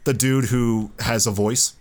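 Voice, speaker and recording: A man's voice: medium pitch, steady tone, a little slow, noisy background. A man hosting a casual podcast, chatty and talkative, with filler words and restarts. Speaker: podcast host.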